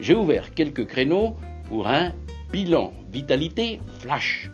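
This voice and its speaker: A man's fairly high voice with very wide pitch swings, music playing behind him. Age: 70s. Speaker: retirement coach. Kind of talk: motivational talk to camera. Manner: casual, conversational.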